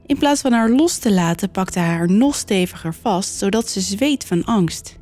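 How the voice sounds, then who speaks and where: A woman's voice: medium pitch, normal speed, soft background music. Woman telling a folk tale. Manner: clear, steady storytelling. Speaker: podcast host. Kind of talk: storytelling narration.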